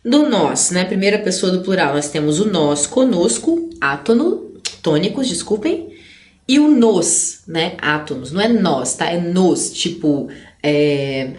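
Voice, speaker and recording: A woman's voice: lowish voice, animated, a little slow, a little mellow, echoey room. A woman with a Brazilian Portuguese accent teaching a recorded grammar lesson, explaining step by step and checking in with the class through frequent tag questions.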